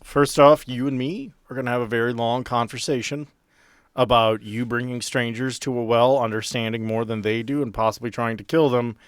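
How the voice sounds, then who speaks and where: A man with a medium-pitched voice plays a tabletop game. His banter is casual and wry, recorded very dry with no room sound. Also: steady tone, a little fast, smooth, no echo.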